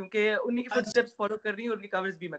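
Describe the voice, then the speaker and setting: A woman's bright, sharp, fairly high-pitched voice with ordinary pitch variation. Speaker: singer and doctor. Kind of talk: interview answer.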